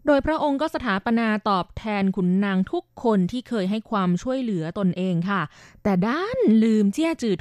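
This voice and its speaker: A woman radio DJ hosting a scripted magazine show, explaining at length in a polite manner with frequent soft polite particles. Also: fairly high pitch, dry recording. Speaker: radio DJ and host.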